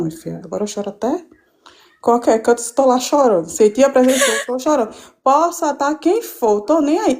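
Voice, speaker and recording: Woman, mellow warm voice, fervent rambling testimony, restarts a lot, live stream from home. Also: mid-range voice. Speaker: guest giving a church testimony.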